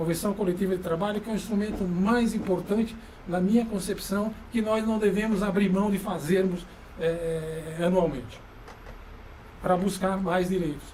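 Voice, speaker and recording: A man speaks at a moderate pace with a high pitch and fairly even intonation. Audible room echo and noticeable background noise surround his voice. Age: 60s. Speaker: union president and podcast host. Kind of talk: podcast discussion. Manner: halting, many fillers and restarts.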